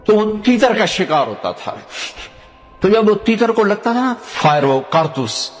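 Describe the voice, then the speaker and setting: An older man from Pakistan with a Punjabi accent, preaching a sermon and telling stories, dropping low to recite Arabic verses. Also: very animated, long reverb tail, soft background music. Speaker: Islamic preacher.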